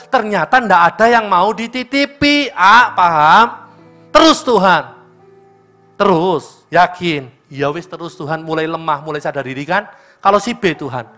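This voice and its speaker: A male pastor with an East Javanese accent preaching at a church service, telling a story and speaking straight to the congregation. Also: high voice. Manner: lively storytelling, addressing the congregation directly. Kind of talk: sermon.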